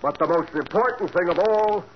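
An actor playing a brisk, friendly police sergeant in a 1940s radio drama. His voice sits fairly high and he reports facts matter-of-factly. The sound is a dull old broadcast with a faint hiss. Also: natural voice.

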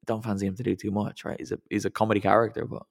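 A man's voice: fairly low pitch, little pitch movement, very fast, creaky. A man hosting a casual football podcast, rambling and self-deprecating as he thinks aloud. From English-speaking country. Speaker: podcast host. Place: lives in Italy.

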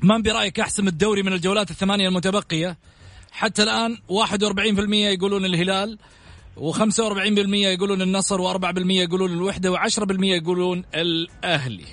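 Radio host keeping two guys in line, quick and firm, dry studio sound. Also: male voice, sits high, fairly even intonation, a bit bright, dry recording, faint music behind. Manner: firm, cuts in to keep order. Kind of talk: moderating a heated radio debate.

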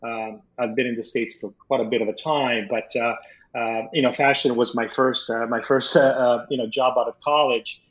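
A middle-aged man from Italy answering interview questions conversationally, haltingly, repeating words and often checking in with "right?". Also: mid-range voice, steady tone, lo-fi sound. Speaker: interview guest, art collector and entrepreneur.

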